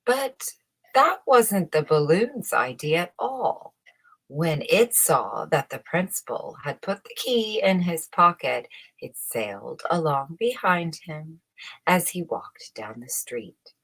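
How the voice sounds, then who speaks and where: A woman reading a children's bedtime story aloud in a measured, expressive way, with a husky voice. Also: low-pitched. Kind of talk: scripted bedtime story narration.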